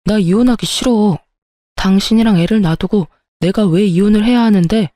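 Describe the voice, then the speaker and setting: A woman reading as a defensive cheating husband, whining and making excuses. Mellow tone, dry and close. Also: mid-range voice, normal speed, no room sound, natural voice. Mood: pleading.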